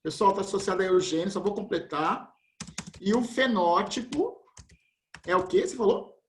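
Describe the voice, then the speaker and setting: A man's voice: high-pitched, lively intonation, normal speed, a little hiss or hum. A man teaching a biology class in a casual, slangy way. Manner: casual, slangy, says "velho" and "pessoal". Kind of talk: remote class, chatty explanation. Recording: echoey room.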